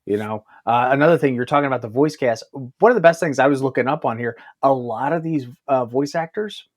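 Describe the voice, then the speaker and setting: A man's voice: medium pitch, fairly quick. A man co-hosting a casual review chat, enthusiastic and loose, rambling a little as he talks. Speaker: podcast co-host.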